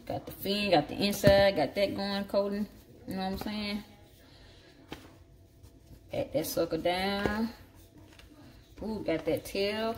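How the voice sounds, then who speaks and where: This woman's mid-range, slightly mellow voice carries a Southern African American English accent from the southern United States. She's a home cook chatting folksily and saltily at her kitchen counter, thinking aloud as she works for a casual cooking vlog. The home recording is noisy and has clicks.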